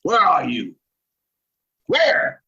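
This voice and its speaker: A man's voice: on the high side, huge pitch swings, extremely slow, gravelly, pushed and bright, dull audio, full character voice. A man playing a menacing, vengeful outlaw colonel in a Western audio play, with folksy threatening frontier talk. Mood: enraged taunting. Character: ruthless, menacing Old West outlaw colonel, commanding and vengeful. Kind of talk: Western audio drama acting.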